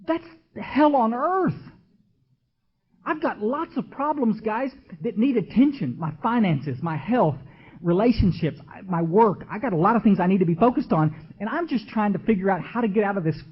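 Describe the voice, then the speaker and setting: A man's voice: high voice, animated, normal speed, slightly rough. A man, giving an emotional recovery talk from a podium and speaking straight to the crowd in a folksy way. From Texas. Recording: dull lo-fi archival tape.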